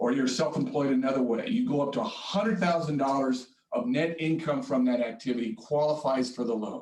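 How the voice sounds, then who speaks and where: A man talks at a fairly quick pace, his fairly high voice making very wide pitch swings. His loudness stays very even. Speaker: tax accountant. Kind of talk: webinar presentation. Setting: webinar. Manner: fast.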